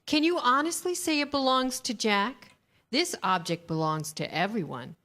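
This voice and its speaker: A woman's voice: fairly high pitch, animated, normal speed, fairly bright tone. A woman playing a coolly condescending villain boss in a staged comedy reading. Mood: smug, commanding.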